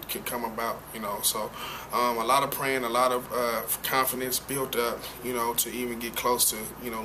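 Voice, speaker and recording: A young man being interviewed as a football player, answering in a halting way with many fillers and restarts. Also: medium pitch. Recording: noisy background.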